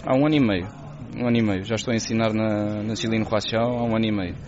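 A Portuguese man with a European Portuguese accent, a university teacher explaining his student band in a friendly way with short pauses. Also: lowish voice, steady tone. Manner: friendly, explanatory, pausing with fillers. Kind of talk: interview answers. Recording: dull muffled audio with crowd noise.

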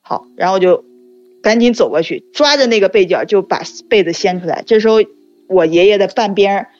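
A woman casually telling a childhood story, acting out the dialogue in quick bursts. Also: mid-range voice, animated, darkish tone, muffled recording, soft background music.

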